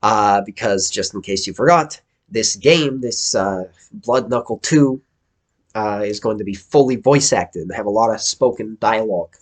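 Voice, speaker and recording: A man's voice: on the low side, normal speed. A man, an indie game developer, giving a casual update vlog in an enthusiastic, rambling way that keeps correcting itself.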